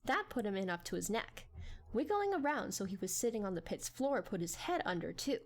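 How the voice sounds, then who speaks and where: A woman reading a story aloud as a dramatic, expressive, animated narrator. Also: mid-range voice, brisk. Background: background music.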